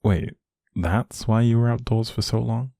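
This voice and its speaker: A man playing a doting, playfully teasing young boyfriend in an intimate one-sided roleplay, speaking affectionately with a soft, husky voice. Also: steady tone, measured pace, no room sound, clean studio sound. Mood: attentive, gentle. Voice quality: low, soft, husky, creaky.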